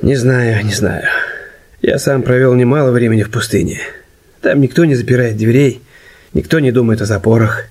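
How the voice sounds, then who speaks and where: An actor playing a courteous, cautious and worried jeweler in a radio play, with a measured delivery. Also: male voice, mid-range voice, a little mellow, natural voice. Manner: measured, thoughtful. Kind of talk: Russian radio play, dialogue and narration. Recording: music playing behind the voice.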